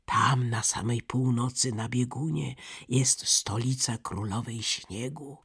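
A storyteller voicing a reindeer from the far north, speaking slowly and half whispering in a husky voice. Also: medium pitch, fairly even intonation, exaggerated voice. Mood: dreamy hushed. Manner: slow, hushed, dreamy.

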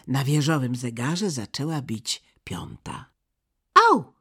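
A storyteller reading a fairy tale aloud, expressive and sometimes sinking to a near-whisper. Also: medium pitch, slow, breathy edge.

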